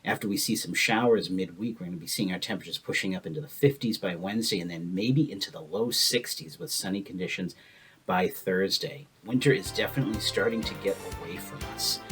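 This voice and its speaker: A man giving a local TV weather forecast in a brisk, upbeat way. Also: sits low, a bit bright, husky, faint music behind, poor audio.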